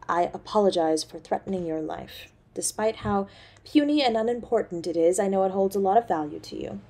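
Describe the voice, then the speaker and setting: A woman playing a haughty, cold succubus mother in an audio drama, speaking formally and with disdain in a husky, creaky voice. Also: medium pitch, expressive, moderate pace, warm tone. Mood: grudging, annoyed. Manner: imperious, formal, disdainful of mortals. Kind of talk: audio roleplay drama acting.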